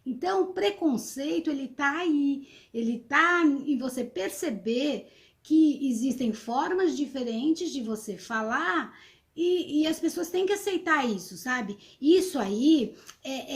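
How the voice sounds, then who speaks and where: A high-voiced middle-aged woman talks to students. She explains patiently but hesitantly, with many fillers and restarts along the way. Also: expressive, slow pace. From São Vicente, Brazil. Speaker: interviewee, teacher.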